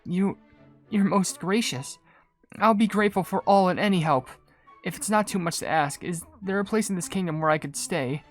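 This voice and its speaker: A man's voice: sits high, normal speed, soft background music, lightly acted. A man voicing a gracious, earnest female cookie perfumer from a video game, with polite, formal phrasing. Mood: earnest, grateful. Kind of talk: video game cutscene character voice.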